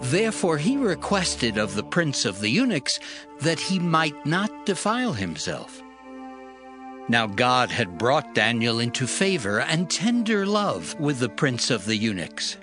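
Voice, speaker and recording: A man narrating dramatized scripture in a solemn, measured, formal manner. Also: mid-range voice, very animated. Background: background music.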